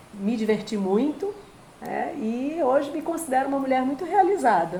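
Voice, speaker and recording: A high-pitched woman's voice with very wide pitch swings, audible room echo and noticeable background noise. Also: moderate pace. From Brazil, Belém do Pará. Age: 50s. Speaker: psychologist and school owner. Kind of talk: interview.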